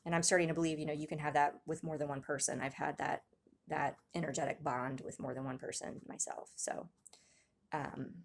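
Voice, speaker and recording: A woman giving a casual tarot reading to viewers, talking softly with many pauses and restarts, her throat a little raspy. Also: sits low. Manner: soft-spoken, hesitant, many ums and restarts, gasps in awe. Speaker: tarot reader.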